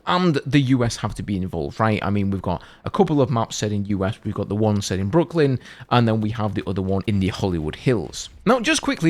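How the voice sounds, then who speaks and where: A young man making a casual gaming commentary video, reading out text and then chatting about it. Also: mid-range voice. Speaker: gaming content creator.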